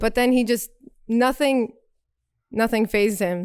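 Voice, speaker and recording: Fairly high pitch and fairly even intonation from a woman with an American accent, a plain, everyday voice at a moderate pace. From New York State. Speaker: singer and subway busker. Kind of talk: casual interview.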